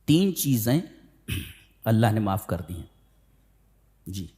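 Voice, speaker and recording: A man giving a Quran commentary lecture, chanting Arabic verses slowly and breaking into sudden emphatic high bursts. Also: sing-song, mellow, big-room sound.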